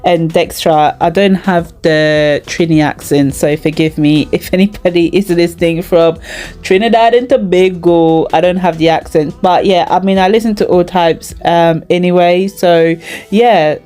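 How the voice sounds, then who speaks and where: A woman's voice: lowish voice, fairly even intonation, measured pace, dark tone. A woman vlogging casually to camera, chatty and laughing often, with many fillers. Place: out in the snow, then a gym.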